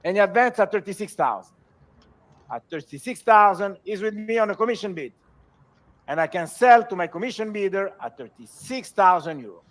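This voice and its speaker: The man running this live auction has a notably high-pitched voice. He introduces lots formally and keeps up a steady, measured stream of repeated bid calls in classic auctioneer fashion.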